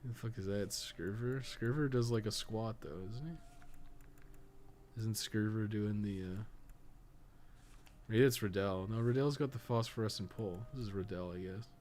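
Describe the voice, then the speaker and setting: A man's voice: lowish voice, measured pace, pauses often, a little mellow. A man giving casual, rambling commentary as he plays a game, blunt and sweary in an offhand, grumbling way. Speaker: podcast co-host playing a video game. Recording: clearly noisy background behind the voice.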